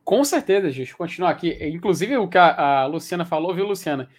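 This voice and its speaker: A man's voice: high voice, fairly quick. A man hosting a live show in casual, slangy chat, reading viewer comments aloud. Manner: excitable, slangy, full of fillers.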